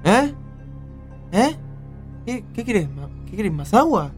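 An actor playing an earnest, eager and rather sleepy Argentine helper in a radio drama, with a gentle, deliberate way of speaking. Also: male voice, sits high, big pitch swings, faint music behind, full character voice.

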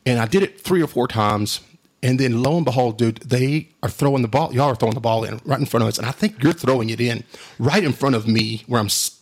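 A middle-aged man with a booming, husky voice, chatting casually. He tells animated stories, laughs often and keeps saying "dude". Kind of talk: casual storytelling chat.

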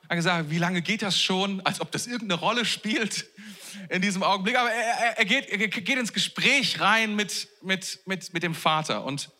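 A man's voice: sits high, animated, moderate pace, bright, forceful tone. A man preaching a sermon as a pastor, in a chatty, joking way that often repeats words. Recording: long reverb of a large hall.

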